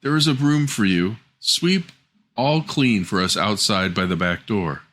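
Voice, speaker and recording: A man's voice: fairly low pitch, unhurried, fairly bright tone. A man voicing little male dwarves in a fairy tale, direct and plain-spoken. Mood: bidding.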